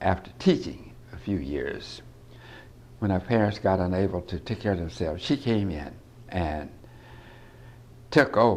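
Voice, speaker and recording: A man's very deep, low voice in a rural Central Texas accent at a fairly slow pace. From Texas Hill Country. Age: 80s+. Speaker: oral history interviewee. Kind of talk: oral history interview. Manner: halting.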